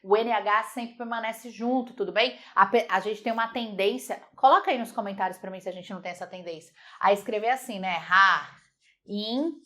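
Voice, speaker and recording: A woman teaching a Portuguese grammar lesson, lively and emphatic, repeating words slowly to model their sounds. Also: medium pitch.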